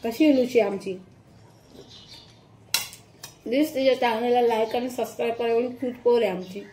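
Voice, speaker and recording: A woman's voice: a little high, fast talker, warm tone, slight background noise. A woman talking to her pet dog at home, scolding and coaxing it in a casual, bossy way. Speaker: pet vlogger. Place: home kitchen.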